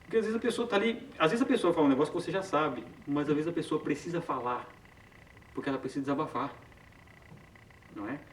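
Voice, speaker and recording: A man's voice: fairly high pitch, quick pace, pauses often. Male Bible study leader, chatty teaching tone, distant mic in a roomy space. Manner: conversational, frequent tag questions, self-corrections. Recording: far from the mic in an echoey room with faint background noise.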